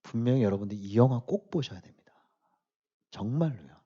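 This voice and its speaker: A man preaching to a church youth group, shifting between quiet asides and loud emphatic exhortation, often asking his listeners questions. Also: medium pitch, expressive, fairly quick, breathy edge, dull audio. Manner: casual, speaks directly to the youth with questions. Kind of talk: sermon to teenagers.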